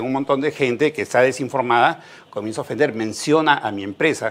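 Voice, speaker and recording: This man has a normal speaking voice at medium pitch and talks at a fairly quick pace. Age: 60s. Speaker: pollster and political analyst. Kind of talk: radio interview.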